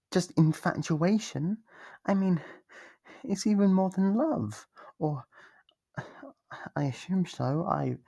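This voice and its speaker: Breathy, creaky-voiced devoted cultist, acted out in ASMR. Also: mid-range voice, mellow, dry recording, studio quality. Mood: flustered, infatuated. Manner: earnest, hesitant stammering, theatrical. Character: devoted, nervous, lovestruck young cultist worshipper, obsessive and earnest. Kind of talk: ASMR audio roleplay, dramatic monologue.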